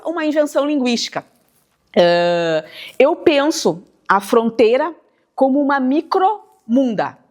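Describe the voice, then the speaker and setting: Thoughtful woman writer. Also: on the high side. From southern Brazil, near the Uruguay border. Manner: measured, thoughtful, stretches words while thinking. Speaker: writer, interview guest. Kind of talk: reflective interview talk.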